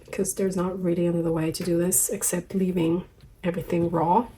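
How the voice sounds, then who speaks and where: A woman's voice: fairly low pitch, flat delivery, brisk, mellow, slight background noise. Chatty woman, sewing vlog. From Austria. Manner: chatty, self-deprecating asides. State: slightly sick voice. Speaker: sewing vlogger. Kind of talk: casual sewing vlog narration.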